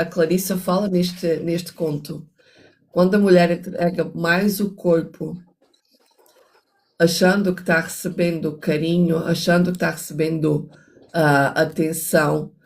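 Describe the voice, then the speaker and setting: This fairly low, slightly mellow voice belongs to an older woman leading a thoughtful conversation about a book she reads from and analyzes. Her musing talk is full of restarts and moral asides, with a bit of background noise.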